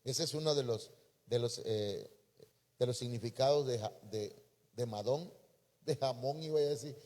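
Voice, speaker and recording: A man with a Mexican accent preaching a sermon as a pastor, breaking into sudden loud emphatic rises. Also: medium pitch, normal speed. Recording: reverberant church hall.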